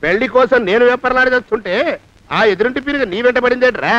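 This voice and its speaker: A man plays a scheming, bossy master of the house who fires off insults. He talks fast and his voice sits high. The sound is dull and lo-fi, like an old film print. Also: no room sound, natural voice. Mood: scolding. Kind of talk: comic film acting.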